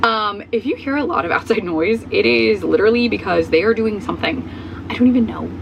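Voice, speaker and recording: A slightly hoarse young woman rambles through a casual book vlog, her voice gravelly with fry and full of ums and restarts. Faint truck noise from the street outside sits under her voice. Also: mid-range voice, a little fast, highs cut off. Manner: rambling, filler-heavy, self-correcting. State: slightly hoarse, voice coming back. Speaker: book vlogger. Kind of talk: casual chat. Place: at home, traffic noise outside.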